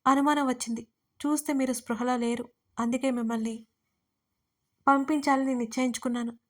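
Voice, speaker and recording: A woman voicing a frightened, tearful young servant woman who pleads in a hushed, urgent way in an audio story. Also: sits high, steady tone, brisk, close to an everyday voice. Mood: pleading.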